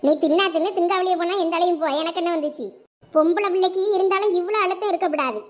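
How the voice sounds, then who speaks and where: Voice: very high voice, steady tone, fast. A voice actor playing a scolding mother in a cartoon, with a Thoothukudi Tamil accent. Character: scolding mother who favors her son. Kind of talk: cartoon voice acting.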